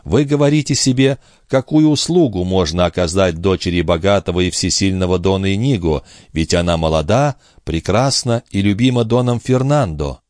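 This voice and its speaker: A man reading a storybook aloud, voicing a sorrowful, selfless young gypsy woman in a soft, earnest tone. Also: deep voice, expressive, normal speed, hardly any pauses, no echo, clean studio sound. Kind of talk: audiobook reading.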